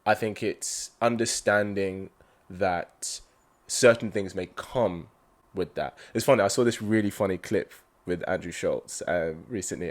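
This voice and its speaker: A man hosts a relaxed interview, agreeable and curious as he questions his guest. His voice sits on the low side. He keeps the talk friendly and loose. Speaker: podcast host. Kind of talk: casual interview chat.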